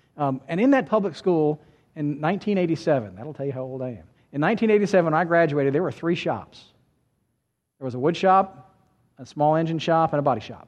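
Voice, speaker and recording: The speech races at a very fast pace with lively intonation and big swings in loudness. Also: man, fairly high pitch for a man. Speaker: Sunday school teacher. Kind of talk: lecture. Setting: church. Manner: halting.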